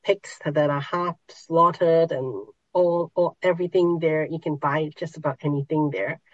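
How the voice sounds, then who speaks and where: A middle-aged woman teaches a small group at a very slow, unhurried pace, often pausing and restarting as she searches for words. Her voice sits dry and close, with no room around it, on a somewhat dull, muffled recording. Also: deep voice, fairly even intonation, dry recording. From Hong Kong. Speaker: podcast host and spiritual teacher.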